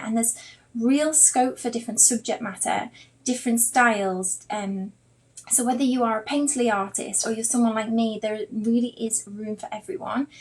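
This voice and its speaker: Her voice is fairly high with a darkish tone, carrying a Liverpool accent as she teaches art on a casual live stream. The artist and online drawing teacher from Liverpool, England, talks to her viewers directly in a meandering, chatty manner.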